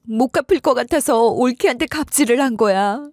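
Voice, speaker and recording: Brief: woman playing a tearful, pleading sister-in-law in a storybook drama, high-pitched and close. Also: moderate pace, darkish tone, no room sound, lightly acted. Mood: begging tearfully. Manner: begging, tearful.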